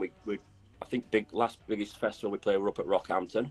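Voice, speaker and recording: Very fast, fairly low male speech with fairly even intonation. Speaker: rock band singer. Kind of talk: casual interview. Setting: live stream.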